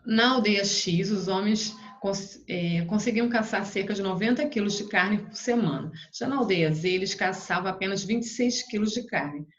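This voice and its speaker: Brazilian teacher lady explaining homework slow and patient, middle pitch, kinda muffled recording. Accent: Brazilian Portuguese. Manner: patient, explains step by step with frequent "né" and "ó". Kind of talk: homework walkthrough for young pupils.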